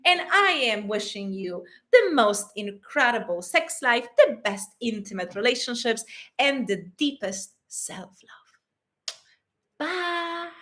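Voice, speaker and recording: A woman from Poland with a Polish accent, hosting a live stream as an intimacy coach and answering chat questions warmly and with frequent laughter. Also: on the high side, sing-song, slow. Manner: warm and affectionate, calls viewers "my loves", laughs often.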